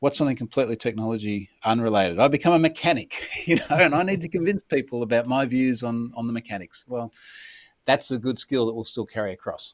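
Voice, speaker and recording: Here a man with an Australian accent talks at a very fast pace, medium in pitch, with lively intonation. The sound is dry and close, with no echo. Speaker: information security author and instructor. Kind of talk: interview answer.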